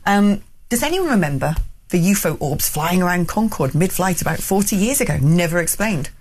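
A woman's voice: on the low side, expressive, fairly quick, darkish tone, husky. Chatty British woman radio host. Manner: enthusiastic, chatty, laughs easily. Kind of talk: casual chat reading listener messages.

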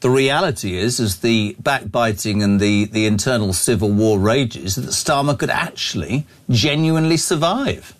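A man's voice: mid-range voice, moderate pace, hardly any pauses. A man of sixty hosting a breakfast radio talk show, teasing and brash in casual banter. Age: 60s.

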